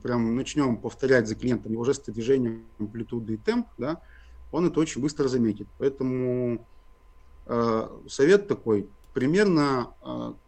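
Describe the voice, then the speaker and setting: A young man answers interview questions at length, stopping often with fillers as he lays out his points one by one. His voice sits at an ordinary middle pitch. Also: a little mellow. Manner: hesitant, many fillers, explains step by step. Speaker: guest expert. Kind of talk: explanatory interview talk.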